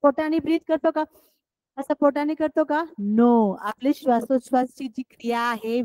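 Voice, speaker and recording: A woman teacher with a Marathi accent guides children through an English lesson. She speaks at an unhurried, deliberate pace in a high voice and keeps repeating her questions to the class. The recording is dry and close to the mic. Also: dark tone, no echo, low-quality recording. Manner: slow, deliberate explanations with repeated questions to pupils.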